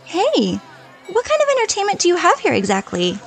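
A woman's voice: extremely high pitch, huge pitch swings, brisk, gravelly, soft background music, heavily acted. An actress playing a fussy, spoiled young girlfriend who talks in a whiny valley-girl manner. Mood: disgusted.

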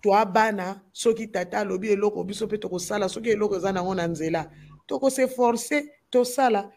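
With a mid-range, darkish voice touched by vocal fry, a woman talks a little fast. The Congolese gospel musician, from the Democratic Republic of the Congo and speaking with a Congolese French accent, makes her case passionately in a talk-show discussion, repeating phrases for stress.

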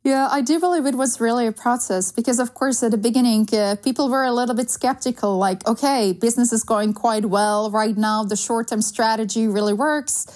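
A woman in her thirties from Slovakia with a Slovak accent, answering interview questions in an earnest, measured way with frequent fillers. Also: fairly high pitch, steady tone, a little mellow. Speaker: guest, sustainability consultancy founder.

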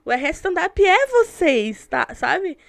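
A woman's voice: very high-pitched, very animated, measured pace, gravelly, no room sound. A woman with a Rio Grande do Sul accent, talking bluntly in a casual chat, rambling and repeating herself. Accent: Rio Grande do Sul Portuguese. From Rio Grande do Sul, Brazil.

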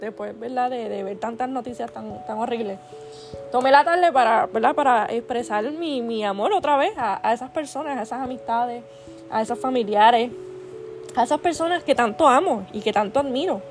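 A woman's voice: a little high, normal speed, soft background music. A woman hosting a podcast, giving a heartfelt devotional talk, earnest and affectionate, peppering her talk with "¿verdad?" and restarting phrases. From Puerto Rico. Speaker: podcast host sharing a devotional.

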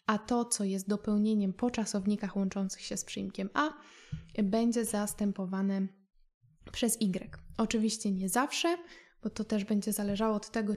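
A woman French teacher explaining phrases in a recorded lesson, patient and clear, slowing down for her foreign examples. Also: mid-range voice, darkish tone.

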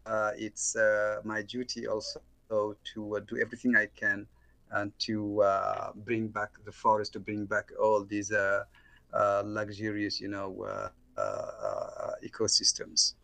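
A middle-aged man from Senegal, a professor and former mayor, answering interview questions over a call, slow and hesitant, with many fillers. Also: on the low side, vocal fry, pushed and bright.

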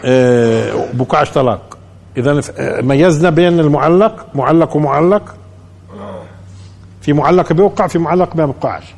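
Creaky and a little mellow, this man's voice is on the high side and fairly quick. He is a sheikh with a Palestinian accent delivering an informal lesson in Quran commentary, chatting along and posing rhetorical questions he then answers himself.

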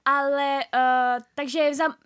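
A young woman telling a story in casual chat as a podcast co-host, lively and full of fillers. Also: high voice.

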